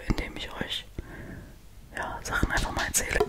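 A woman whispers at a moderate pace while noticeable background noise fills the recording. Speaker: ASMR creator. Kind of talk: ASMR personal attention talk. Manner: whispered.

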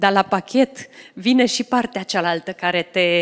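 Her pitch shifts in an ordinary way as the woman talks. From Oltenia, Romania. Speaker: missionary's wife; speaker. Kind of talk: sermon. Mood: warm, advisory. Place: church. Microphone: handheld.

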